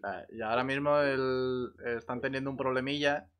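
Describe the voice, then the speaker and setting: Excitable Spanish man with a bright voice. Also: medium pitch, moderate pace, clean tone. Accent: Spanish, from Spain. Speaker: gaming streamer. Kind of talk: casual gamer banter in voice chat.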